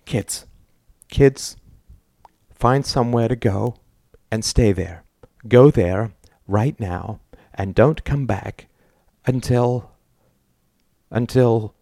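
A man's voice: mid-range voice, drawn-out words, pauses often, dark tone, no room sound, studio quality. A man voicing a furious, bitter wife who shrieks orders at her family in a dramatic story. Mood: tense, urgent. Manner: shrieking, commanding, breaking off.

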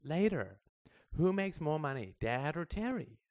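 A man's voice: on the high side, sing-song, a little slow, a little mellow, no room sound, clean studio sound, voice pushed up. A man voicing a persistent, earnest young schoolgirl who halts and searches for words.

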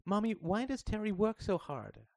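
A man's voice: high-pitched, sing-song, moderate pace, creaky, darkish tone, no echo, studio quality, voice pushed up, exaggerated voice. A man voicing a persistent, earnest young schoolgirl who halts and searches for words.

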